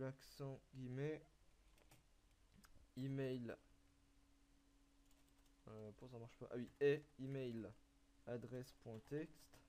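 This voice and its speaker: A young man explaining a coding tutorial step by step, halting and filling pauses with hesitations as he types. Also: mid-range voice, mellow. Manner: halting, full of "euh" and "donc", talks while typing. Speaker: tutorial maker. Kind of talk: screen-recorded coding tutorial.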